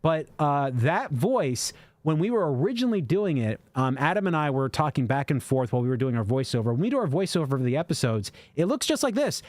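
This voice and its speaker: A man with a slightly high, darkish voice talks briskly with big swings in pitch, recorded dry on a studio microphone. He co-hosts a casual livestream, rambling as he reads viewer super chats aloud and answers their questions with plenty of fillers.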